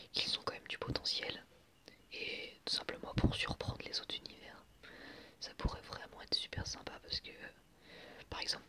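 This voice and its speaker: A young man whispering in a breathy, unvoiced voice as he gives ASMR commentary in a reflective, hesitant, rambling way. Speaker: ASMR video creator.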